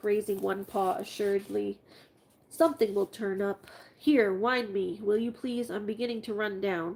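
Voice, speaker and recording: A growling, put-on character voice moves at a moderate pace with ordinary pitch variation. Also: woman, medium pitch for a woman. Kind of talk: bedtime story. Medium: read story.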